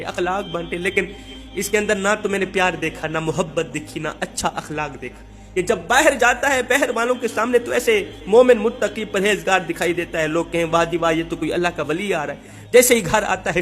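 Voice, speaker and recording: A man voicing a weeping wife pleading softly. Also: high-pitched. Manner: pleading, repetitive lament.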